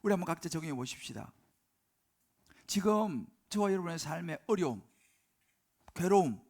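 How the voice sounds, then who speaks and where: Male pastor, live sermon in a church. High voice with gravel, emphatic, keeps questioning the pews. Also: a little mellow. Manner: emphatic, rhetorical questions to congregation. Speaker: senior pastor. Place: church sanctuary during service.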